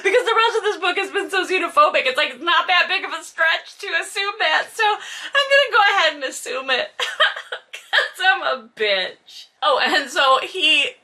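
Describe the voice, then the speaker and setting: A woman with a very high, lively voice talks at normal speed, her tone bright and forceful. As a host reading and critiquing a novel, she gives casual, comedic commentary that's exasperated, sarcastic, sweary, and packed with exaggeration.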